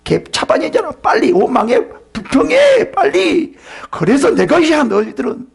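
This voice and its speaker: Scheming, cocksure male Satan voiced by a man, gravelly and swooping, jeering delivery. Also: very high voice, wildly swooping pitch, normal speed, pitched above the performer's own voice, full character voice. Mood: taunting. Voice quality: raspy, gravelly. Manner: jeering, urgent commands.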